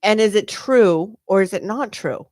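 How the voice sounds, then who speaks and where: A woman's voice: mid-range voice, normal speed, darkish tone, no echo, studio quality. Rambling woman podcast co-host. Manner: rambling, many "like" fillers, swearing. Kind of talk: casual podcast chat.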